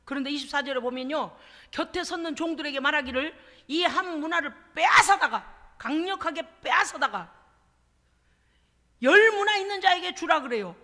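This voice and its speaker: A woman pastor delivers a lively sermon in a high, bright voice. She is exclamatory and folksy, breaking into laughs and chatting with her congregation. Her voice rings with the long echo of a church hall. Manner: animated, exclamatory preaching with frequent laughs; folksy, conversational asides to the congregation. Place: church service.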